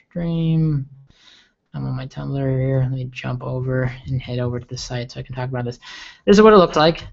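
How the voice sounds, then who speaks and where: A young man hosting a live tech stream, answering viewer questions in an eager, rambling way and often repeating words. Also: medium pitch. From Okinawa, Japan. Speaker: livestream host. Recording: lo-fi livestream audio.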